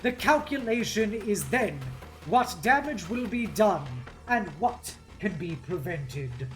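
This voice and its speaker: A woman voicing a grave, resolute male warrior commander in a solemn, deliberate, declamatory novel reading. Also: mid-range voice, sing-song, faint music behind. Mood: determined, stern. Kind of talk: dramatic novel read-aloud.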